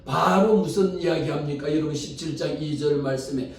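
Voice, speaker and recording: A male pastor preaching a Sunday sermon with animated storytelling and frequent rhetorical questions, in a church sanctuary. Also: a little high, fairly quick. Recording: far mic in very echoey hall.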